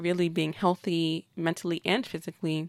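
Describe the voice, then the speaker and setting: A woman's fairly low voice at a fairly slow pace, in a very clean recording with a silent background and a dry, close sound without echo. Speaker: solo podcast host. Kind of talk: casual personal monologue. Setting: home recording, backyard. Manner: low-energy, slumped delivery.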